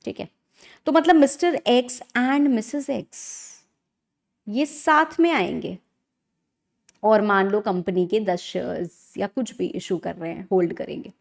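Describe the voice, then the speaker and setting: An Indian woman lecturing conversationally as a law teacher, often asking questions and answering them herself in an animated teacherly way. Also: mid-range voice, a little slow, gravelly. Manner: animated teacherly, asks and answers own questions, frequent check-ins. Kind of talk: conversational online lecture in mixed Hindi and English.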